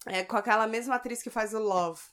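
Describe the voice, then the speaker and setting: A woman's voice: a little high, brisk, a bit bright, smooth. Playful Brazilian woman podcast host. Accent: Brazilian Portuguese. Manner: playful, swears casually. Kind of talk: casual chat.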